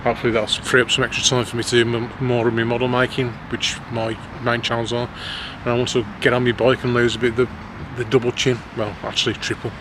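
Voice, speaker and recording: Male amateur vlogger, Black Country accent, hesitant and rambling casual delivery, mid-pitched voice over clear car noise. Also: level tone, fast talker, hardly any pauses. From West Midlands, England. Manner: hesitant, self-conscious, rambling. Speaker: amateur vlogger, lorry driver. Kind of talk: casual vlog chat to camera. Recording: clear road and vehicle noise.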